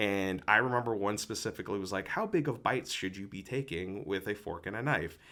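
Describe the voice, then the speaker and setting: The man's voice sits fairly low, with a bright, sharp tone. He speaks at a fairly quick pace. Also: ordinary pitch variation. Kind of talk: casual interview chat. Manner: halting, with repetitions and false starts.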